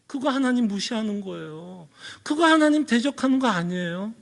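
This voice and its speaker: A male pastor preaching a sermon to his congregation, asking them questions and voicing God's replies in a quieter, lower tone. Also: animated, normal speed, gravelly. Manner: asks the congregation questions, voices God in quiet lowered tones. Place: church sanctuary.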